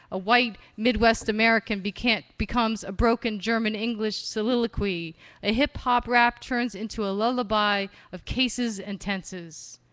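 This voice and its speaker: Expressive woman performing spoken-word poetry. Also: on the high side, no echo. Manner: expressive, slows down on key phrases. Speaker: poet. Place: live poetry reading venue.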